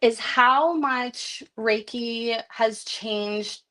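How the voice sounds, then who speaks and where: A woman's voice: on the high side, very slow, a bit bright. A woman talking as a guest Reiki master teacher in a casual podcast conversation, chatty and full of "like" fillers. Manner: chatty, heavy use of "like" fillers.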